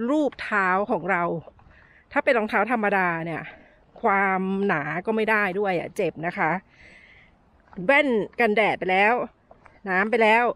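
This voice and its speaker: Middle-aged woman, slightly high-pitched, friendly walk-and-talk hiking vlog, recorded outdoors on a camera held at arm's length, breathing a little hard. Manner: chatty, friendly tips with soft sentence-final particles. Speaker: travel vlogger. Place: outdoor desert canyon trail. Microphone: handheld camera at arm's length.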